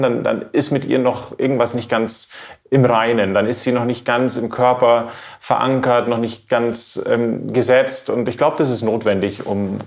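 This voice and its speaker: A man from Bavaria, a trained baritone, giving reflective, measured interview answers and searching for his words. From Bavaria, Germany. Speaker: classical baritone singer being interviewed.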